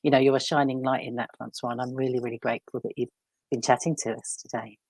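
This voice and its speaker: A woman's voice: very deep voice, steady tone, fast, a little mellow, no room sound. A woman co-hosting a talk show, encouraging the audience and using tag questions. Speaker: co-host.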